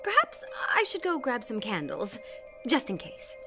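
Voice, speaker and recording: A woman's voice: on the high side, huge pitch swings, a little slow, music in the background, full character voice. A woman playing an imperious, wealthy society hostess in an audio drama, gracious but haughty and theatrical. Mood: grand, announcing.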